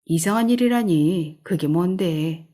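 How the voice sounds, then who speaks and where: A woman's voice: lowish voice, unhurried, warm tone, natural voice. Lady reading as an irritable husband, curt replies, storybook reading. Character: irritable middle-aged husband, the narrator.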